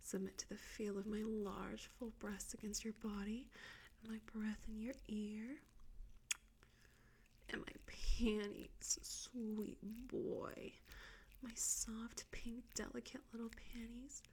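A woman whispering close to the mic in a soft, coaxing, teasing audio roleplay. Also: fairly high pitch, little pitch movement, slow, a little hiss or hum.

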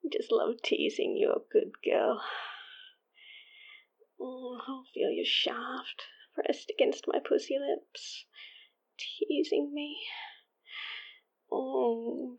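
A woman whispering an intimate roleplay in a breathy, sighing way, with soft laughs. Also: high voice, fairly even intonation, slow pace, pauses often, dull audio. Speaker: audio roleplay performer.

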